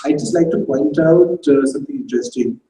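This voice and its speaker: A man's voice: fairly high pitch, lively intonation, a little fast, gravelly, warm tone, slight background noise. A man introducing a staged reading to a live audience, chatty and quizzing the crowd. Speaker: event presenter. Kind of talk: casual talk to a live audience. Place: auditorium at an arts festival. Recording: echoey hall, distant mic.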